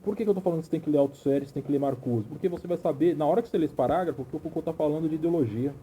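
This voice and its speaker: Dark-voiced man lecturing casually. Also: on the high side, racing, a little hiss or hum. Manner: conversational, keeps checking in with "tá?". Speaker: teacher. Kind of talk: informal video lecture.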